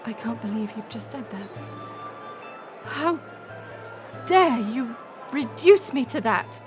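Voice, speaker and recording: A woman's voice: a little high, animated, takes it slowly. A woman playing a fiery, defiant young princess in a dramatic audio roleplay, indignant and bitingly sarcastic. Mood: hurt, defiant. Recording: music and crowd murmur behind. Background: music and banquet crowd.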